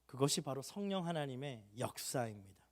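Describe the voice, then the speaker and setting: A young adult male pastor preaching an emotional sermon in a church hall, swinging from loud rising appeals to hushed low tones. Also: very animated, a little fast.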